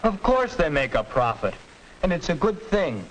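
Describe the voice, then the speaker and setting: A young man playing an earnest high school student explaining capitalism, in 1940s educational film acting, on a hissy old film soundtrack. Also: big pitch swings, normal speed, low-quality recording.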